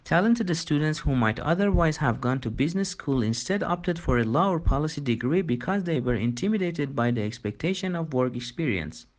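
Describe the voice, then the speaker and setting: A man reading short practice passages aloud in a measured, formal way. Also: fairly high pitch, expressive. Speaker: exam practice reader.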